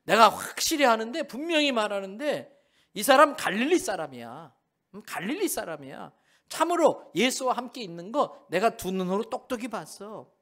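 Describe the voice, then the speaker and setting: A pastor voicing a bystander who is dead certain and accusing, pressing his point hard in a high, lively voice. it's a dramatized retelling in a church sermon. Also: normal speed, heavily acted. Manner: insistent, accusing. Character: bystander man, sure and accusing.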